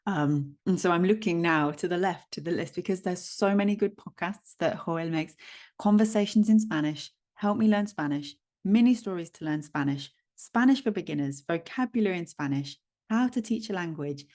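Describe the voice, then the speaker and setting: A bubbly woman hosting a language podcast, speaking in a fairly low voice. She gushes warmly about her guest and scatters fillers through her chatty introduction. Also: normal speed. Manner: bubbly, gushing, many fillers. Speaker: podcast host. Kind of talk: enthusiastic interview intro. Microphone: recording a video intro.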